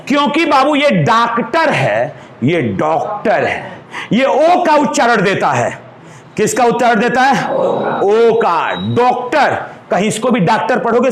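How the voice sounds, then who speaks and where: A man teaching a grammar class in front of a board, repeating terms for students to copy down and calling them "babu". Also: high-pitched.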